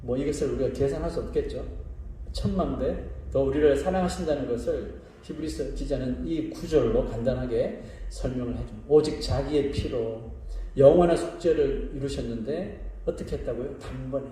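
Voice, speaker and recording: A man preaching a sermon. His delivery swings between soft, low asides and raised, emphatic lines, and he often puts questions to the congregation. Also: moderate pace, slight background noise. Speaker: pastor. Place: church sanctuary. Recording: very echoey room, voice from a distance.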